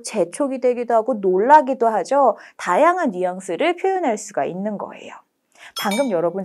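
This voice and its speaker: A woman's voice: medium pitch, a little mellow. A woman teaching an online language lesson, talking in a playful, coaxing way and acting out little example lines.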